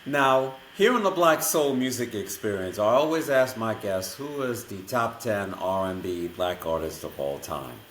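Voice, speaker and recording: A man's voice: lowish voice, lively intonation, measured pace, few pauses, fairly bright tone, slight background noise. A man hosting a podcast interview, explaining a countdown segment in an announcer-like, list-reading way. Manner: announcer-like, reads a long list of questions. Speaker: podcast host. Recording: echoey room.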